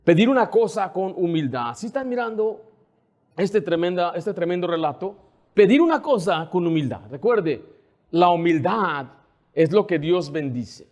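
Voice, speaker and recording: A male pastor delivers a sermon in a high, ringing voice. He preaches fervently, building emphasis through repeated lines. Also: lively intonation, normal speed, darkish tone. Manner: fervent, rising to emphatic repetition.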